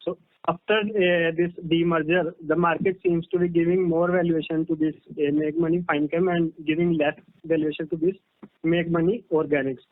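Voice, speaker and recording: A man's voice: a little high, fairly even intonation, moderate pace, no room sound. A man with an Indian accent phoning into a conference call as an individual investor, asking questions hesitantly. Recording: dry, tinny phone line.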